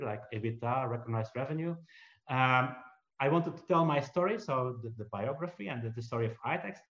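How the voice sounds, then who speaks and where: A Belgian entrepreneur and author of Dutch roots answers an interview question conversationally, in a mid-range voice. He speaks haltingly, restarting often and poking fun at himself, in a roomy, slightly dull recording.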